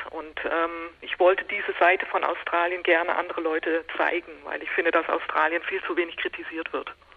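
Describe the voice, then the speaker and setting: A woman with a fairly low pitch speaks in flat, monotone intonation at a moderate pace. She barely pauses, and background noise is noticeable. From Netherlands. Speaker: activist. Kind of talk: interview. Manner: hesitant with fillers.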